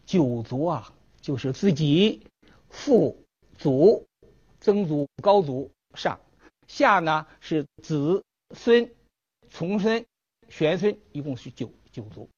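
Male history lecturer, storytelling style, very animated, slightly muffled recording. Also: on the high side, slow pace, slightly rough. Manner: animated, acts out dialogue. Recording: dull lo-fi recording.

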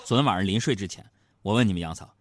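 A man's voice: lowish voice, racing, dry recording. A middle-aged man, hosting a comic storytelling monologue. He is chatty and teasing and keeps asking his audience rhetorical questions. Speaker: comedy talk show host.

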